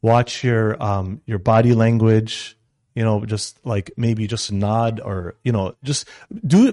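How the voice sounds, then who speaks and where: A man's voice: mid-range voice, a little mellow, no echo, studio quality. A man, a Christian counselor, giving an informal teaching talk to a live group, often restarting sentences and checking in with the room. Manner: halting, with many restarts and "right?" check-ins.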